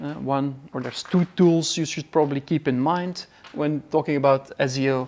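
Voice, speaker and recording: Using an ordinary speaking voice, a man with a fairly high pitch speaks at a moderate pace with fairly even intonation. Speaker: marketing trainer. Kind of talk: workshop lecture.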